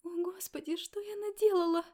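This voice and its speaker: A woman voicing a timid, tearful young pregnant woman who talks softly, sobbing and stammering. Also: high voice, steady tone, a little fast, voice pushed up, natural voice.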